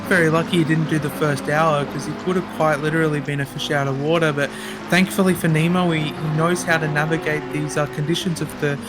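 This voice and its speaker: A man's voice: on the high side, steady tone, quick pace, background noise. A man co-commentating a sim race, bantering and laughing at himself. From Australia. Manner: laughing, self-deprecating banter.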